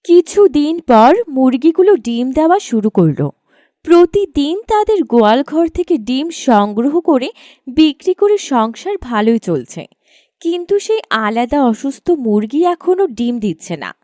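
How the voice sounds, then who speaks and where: Female storyteller for children's cartoon narration: high, animated pitch, dry sound. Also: normal speed, no room sound.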